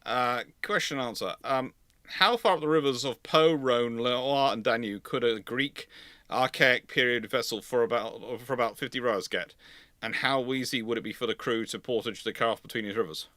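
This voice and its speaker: A man's voice: mid-range voice, normal speed, pushed and bright, no echo, clean studio sound. A man hosting an unscripted live history question-and-answer session, talking discursively and correcting himself as he thinks aloud. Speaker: naval history host answering audience questions.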